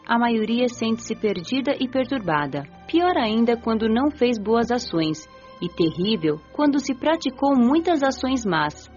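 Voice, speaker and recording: A Brazilian woman playing an earnest, compassionate young spirit who narrates her afterlife in a measured way for a radio novel. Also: fairly high pitch, close to an everyday voice. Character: nineteen-year-old female spirit recalling her afterlife, earnest and compassionate. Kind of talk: scripted first-person audiobook narration, radio novel. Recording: dull lo-fi audio with music. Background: music.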